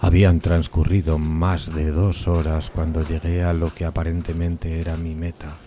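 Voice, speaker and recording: A man's voice: a bass voice, flat delivery, moderate pace, background noise. A man playing a solitary, tormented outcast, narrating a gothic horror audio drama in a solemn, theatrical, literary manner. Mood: brooding.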